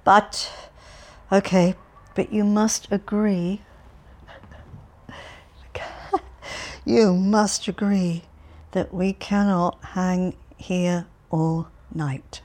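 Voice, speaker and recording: A woman's voice: medium pitch, fairly even intonation, extremely slow, long pauses, darkish tone. A woman reading an audiobook, voicing an impatient, irritable young man who answers curtly and grumbles. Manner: curt, grumbling.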